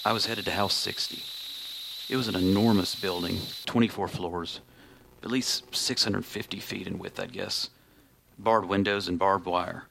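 A man's voice: low voice, fairly even intonation, unhurried, vocal fry, fairly bright tone, a little hiss or hum, heavily acted, low-quality recording. An actor playing a man who grimly recalls hospital treatment in a first-person radio play narration. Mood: grim recollection.

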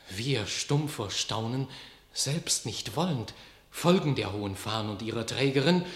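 An actor playing an awestruck knight in a classical verse radio drama, declaiming his report gravely and dramatically. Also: mid-range voice, a bit bright, echoey room, lightly acted.

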